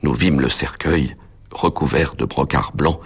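A man reads a story aloud in measured audiobook narration. His voice sits extremely low and gravelly, with a deep fry in the tone. The sound is heavily husky and breathy throughout.

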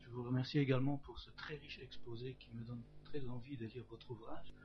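Gravelly-voiced man, hesitant questioner. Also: mid-range voice, fairly even intonation, fairly quick, dull audio, a little hiss or hum. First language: German. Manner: hesitant, searching, repeats words. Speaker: audience member asking questions. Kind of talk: discursive question at a lecture.

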